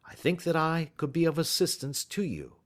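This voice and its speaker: A shrewd gentleman detective with a smooth, bland and assured delivery, as a male reader voices him. His speech rises and falls in lively arcs, but he never loses his composure. He sounds like a character in a classic storybook. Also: a little high, moderate pace, pitched above the performer's own voice.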